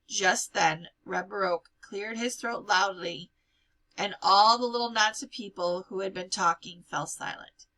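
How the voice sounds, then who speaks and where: Lady reading a book out loud, bright clear-cut voice, expressive storytelling. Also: mid-range voice, measured pace, rough recording. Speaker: reader reading a novel aloud. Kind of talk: expressive storybook read-aloud with character dialogue.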